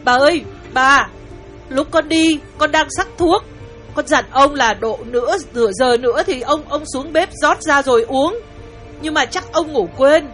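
A man's voice: very high voice, unhurried, a bit bright, soft background music, voice pushed up. A man voicing a young female household servant who speaks politely and hesitantly, fretting to her mistress. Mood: fretful.

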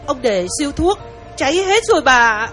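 A man's voice: very high voice, big pitch swings, moderate pace, sharp tone, soft background music, pitched above the performer's own voice, exaggerated voice. A man voicing a young female household servant who speaks politely and hesitantly, fretting to her mistress. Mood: fretful.

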